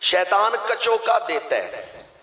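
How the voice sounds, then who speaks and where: A man from Pakistan with a Pakistani Urdu accent, delivering a sermon as a preacher. He swings between loud, declaiming passages and hushed storytelling. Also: sits high, huge pitch swings, takes it slowly. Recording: echoey hall with long reverb.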